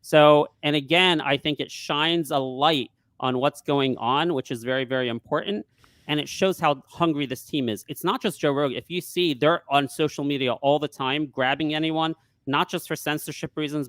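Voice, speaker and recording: A man who works as a stock trader, talking casually in a live market discussion and pitching his view with confident emphasis. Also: a bit bright, no echo.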